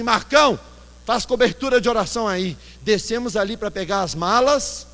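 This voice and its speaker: A male pastor preaching a sermon and telling self-mocking stories, recorded in a church hall with long reverb. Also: high-pitched. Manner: animated storyteller, self-mocking. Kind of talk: sermon with anecdotes.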